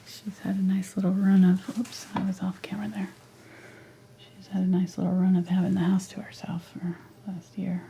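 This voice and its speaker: A woman's voice: medium pitch, monotone, moderate pace, vocal fry, mellow, a little hiss or hum. A woman teaching a live painting tutorial, half-whispering while she paints and losing her voice. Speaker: painting instructor.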